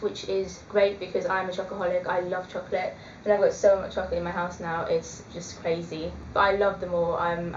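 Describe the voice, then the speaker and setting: Chatting casually into her webcam from a small indoor room, a woman vlogger in her twenties speaks hesitantly with many ums. Her voice sits lowish, and the dull lo-fi webcam recording is echoey with a little hiss or hum.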